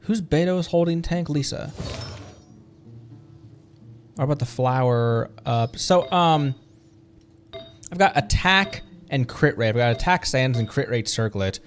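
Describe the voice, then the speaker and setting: A man's voice: medium pitch, lively intonation, measured pace, long pauses, soft background music. A man chatting casually as he hosts a gaming livestream, rambling in loose asides. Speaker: streamer and channel host.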